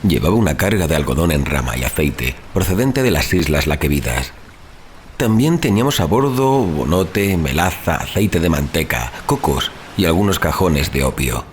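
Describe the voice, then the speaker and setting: An actor playing a grave, rational, educated traveler telling his story in solemn, measured, formal literary narration for an audio drama. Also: rumbling low, very animated, slight background noise. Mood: solemn, reflective. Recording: music playing behind the voice. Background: background music.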